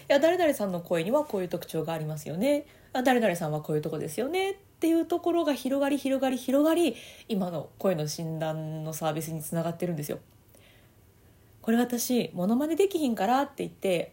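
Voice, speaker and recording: A woman with a Kansai accent talking casually on her solo podcast, laughing often between phrases. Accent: Kansai Japanese. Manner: animated, swoops up and down in pitch. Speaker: audio podcaster and voice coach.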